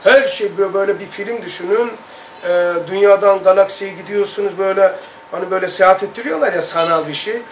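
Male religious study teacher, high voice, earnest and emphatic storyteller, recorded from a distance with light background noise. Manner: earnest and emphatic, acting out sounds and drawn-out words. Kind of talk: recounting a personal experience and reading aloud in a study lesson. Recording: echoey room, distant mic, light noise.

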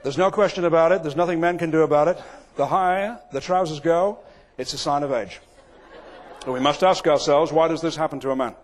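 Older man, after-dinner comic speaker, dry deadpan timing, slightly high voice, lapel mic, faint hiss. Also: some chatter behind. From England. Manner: dry deadpan delivery with timed pauses. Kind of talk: stand-up comedy presentation. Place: large banquet hall stage.

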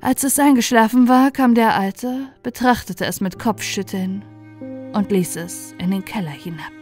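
A woman's voice: mid-range voice, unhurried, a little mellow. A woman reading a scripted bedtime fairy tale as an audiobook narrator. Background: faint music.

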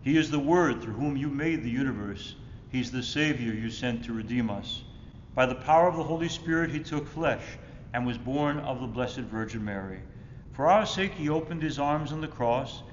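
Older guy, catholic priest saying mass prayers real solemn, big church echo, kinda muffled. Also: expressive. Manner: solemn, measured phrasing. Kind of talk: liturgical prayer recitation. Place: indoors in a church, at the altar. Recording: echoey church reverb, muffled, rumbling noise.

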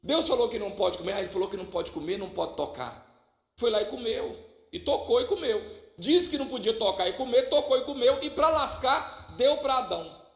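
Gravelly pastor from Minas Gerais. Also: male voice, lively intonation, brisk. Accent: Minas Gerais Portuguese. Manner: swings between loud exclamations and low asides, humorous. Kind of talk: lively sermon with storytelling. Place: church hall. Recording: echoey church hall.

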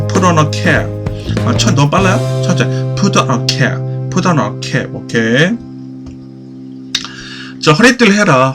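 A man teaching a basic English class, repeating phrases slowly and pushing students to answer. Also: on the high side. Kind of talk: classroom lecture.

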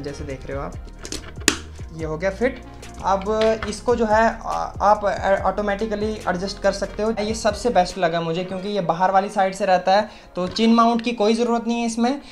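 A young man, chatting step by step as he demonstrates gear at a desk. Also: sits high. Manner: chatty, explains step by step, mixes English words. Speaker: moto vlogger. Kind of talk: casual tutorial demonstration. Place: small room at a desk.

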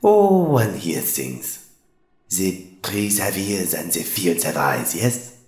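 An actor playing an eerie, unctuous doctor in an audio drama, formal and over-polite. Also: male voice, low voice, very animated, slow pace, a little mellow, full character voice. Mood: slyly persuasive. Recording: roomy echo.

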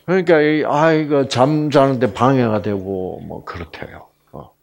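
A man's voice: medium pitch, a little slow, gravelly. A middle-aged man giving a health lecture, telling a personal story and acting out the voices in it. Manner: animated storytelling, acts out quoted voices.

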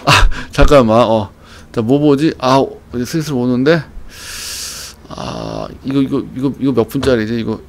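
A man in his thirties streaming live from a small room on a headset mic, loud and excitable, often laughing. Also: medium pitch, a little slow, gravelly. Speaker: game streamer. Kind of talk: casual live-stream chat.

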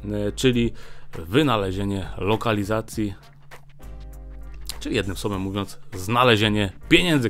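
A man in his thirties runs through the boxing news in a relaxed, chatty way. He often stops with a drawn-out filler sound while he hunts for the next word. He talks close to a desk mic in a small indoor studio. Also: medium pitch. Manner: chatty, many filler "e" pauses. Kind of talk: casual news commentary. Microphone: desk mic on a small stand.

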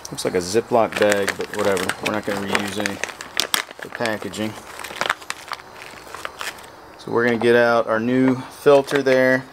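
A man's voice: lowish voice, steady tone, normal speed, long pauses, noisy background. Man explaining a motorcycle fuel pump rebuild. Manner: plain, practical, talks while working with his hands. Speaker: motorcycle repair how-to host. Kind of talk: step-by-step repair walkthrough. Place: outdoors at a pickup truck bed workbench.

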